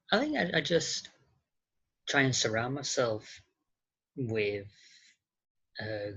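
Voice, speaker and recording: Slightly husky, low-pitched man, hesitant and understated. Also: fairly bright tone, highs cut off. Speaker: podcast guest, model and actor. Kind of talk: casual interview chat.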